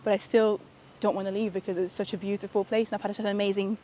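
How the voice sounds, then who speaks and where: A young woman vlogging late at night, sounding tired and a little worn. She talks in a chatty, easygoing way to a handheld camera, with soft laughs here and there. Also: medium pitch, little pitch movement, fast talker, a little hiss or hum. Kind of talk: casual vlog narration. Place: outdoors at night by a hotel and fountains, then a hotel room.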